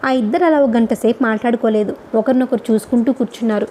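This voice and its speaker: A woman with a Telugu accent narrating a novel in an even, measured storytelling manner. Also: a little high, slight background noise. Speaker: audiobook narrator.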